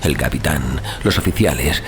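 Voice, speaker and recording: A man giving a dramatic, measured and expressive narration of a horror story at sea. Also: a bass voice, background noise. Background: music.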